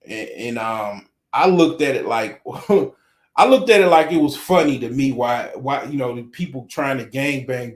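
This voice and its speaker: Rambling man in echoey room. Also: mid-range voice. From Chicago suburbs, Illinois. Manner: rambling, heavy "you know" fillers, chuckles often. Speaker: livestream host. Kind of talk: casual livestream chat reading viewer comments.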